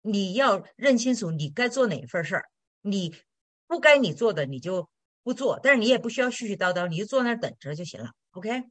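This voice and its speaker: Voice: medium pitch, very animated, a little fast, a bit bright, dry recording. Brief: straight-talking Christian teacher, Q&A sermon, dry close sound. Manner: direct, blunt, colloquial with tag questions. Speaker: Christian teacher answering listener questions. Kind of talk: sermon-style Q&A.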